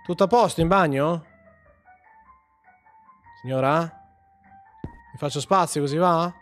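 A man giving joking, swearing commentary over a horror game, yelling when startled. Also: fairly high pitch, a little slow, soft background music. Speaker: gaming host. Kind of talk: horror let's play commentary.

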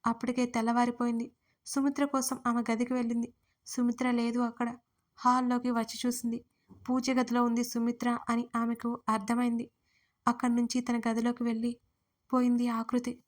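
Even-toned woman narrating a story. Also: fairly high pitch, normal speed. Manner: steady, even reading.

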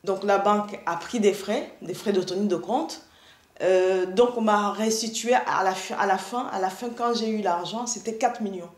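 A middle-aged woman from Rwanda giving an earnest spoken church testimony over a video call, halting and restarting often. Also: mid-range voice, reverberant. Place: indoor room, seated in armchair.

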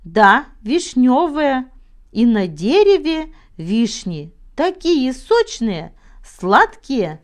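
Proud elderly baron for a storybook played by a woman, high voice, very varied intonation, earnest tall-tale teller. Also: big pitch swings, heavily acted. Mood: assured, relishing. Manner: self-important, earnest, deliberate. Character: proud old baron telling tall tales.

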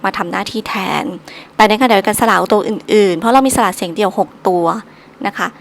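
A woman's voice: mid-range voice, steady tone, fast. A woman teaching a solo recorded language lesson, patiently drilling each syllable three times over.

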